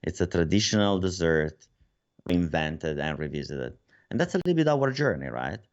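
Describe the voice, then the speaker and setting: Low-voiced Italian man in his 30s, chatty conference speaker with fillers, dull headset audio. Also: very animated, moderate pace. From Italy. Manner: casual storytelling with many fillers. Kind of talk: tech conference talk. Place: home room, at night. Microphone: headset over cap, video call. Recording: dull lo-fi video call audio.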